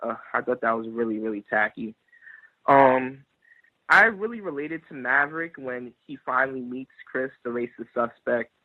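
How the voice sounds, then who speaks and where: A man's voice: mid-range voice, lively intonation, normal speed, no echo. A man calling in to a book discussion, speaking earnestly and with disapproval. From New York. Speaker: caller. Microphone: phone. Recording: tinny dry phone line.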